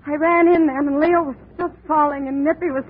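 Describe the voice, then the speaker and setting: An actress playing a melodramatic femme fatale in 1940s radio style, pleading in halting, stammering phrases. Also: female voice, high voice, steady tone, natural voice. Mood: frantic, tearful. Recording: muffled, noisy 1940s radio recording.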